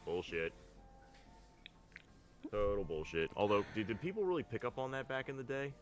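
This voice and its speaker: A man's voice: fairly low pitch, sing-song, normal speed, faint music behind. A man bantering casually about games and cartoons as a podcast co-host, swearing freely. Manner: casual, profane.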